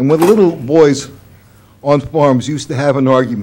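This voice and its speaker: A man with a Brooklyn accent at a moderate pace, dark and mellow in tone, with ordinary pitch variation. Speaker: resident speaking at public comment. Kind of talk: public comment at council meeting. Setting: council chamber, public meeting.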